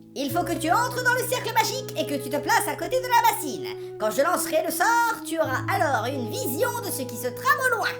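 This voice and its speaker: Someone talks in a put-on character voice at a fairly quick pace. Loud music plays in the background. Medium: audio drama. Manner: excitable, bossy.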